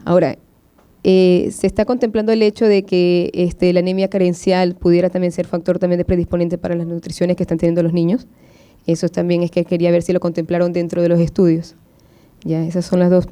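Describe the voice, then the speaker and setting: A woman's voice: on the low side, little pitch movement, fairly quick, mellow, clean tone. A woman from Venezuela, a postgraduate student, asking questions from the audience at a medical symposium with many hesitant fillers.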